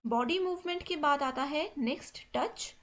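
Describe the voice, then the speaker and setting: High-voiced woman teaching an exam class. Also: measured pace, fairly bright tone. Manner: repeats "ठीक है" constantly, mixes English terms into Hindi. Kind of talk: online exam-prep lecture.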